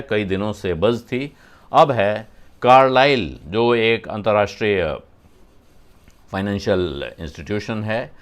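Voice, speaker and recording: Man explaining business news with pauses. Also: fairly low pitch. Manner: conversational, explains terms with frequent "uh" pauses.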